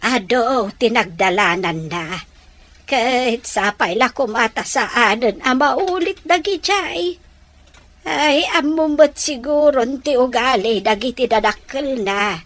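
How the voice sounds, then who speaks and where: Slow, high-voiced Filipino grandparent. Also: female voice, a bit bright. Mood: earnest. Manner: chuckling, exclaiming, slow. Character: welcoming, teasing old grandparent fond of coffee. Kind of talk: radio drama acting.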